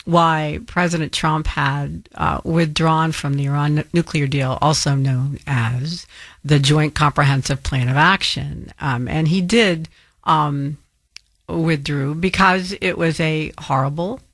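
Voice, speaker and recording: A woman's voice: deep voice, steady tone, measured pace, no echo. Dry-voiced, argumentative female radio host. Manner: firm and argumentative, with frequent ums. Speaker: fill-in talk radio host. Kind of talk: talk radio commentary rebutting a caller.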